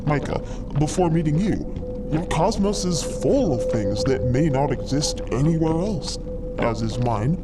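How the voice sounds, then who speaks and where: A man voicing an excitable, frog-like cosmic explorer who lectures wordily in a fiction podcast. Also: medium pitch, poor audio. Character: eager, frog-like male cosmic explorer, gleeful theorizing savant. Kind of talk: acted fiction podcast dialogue.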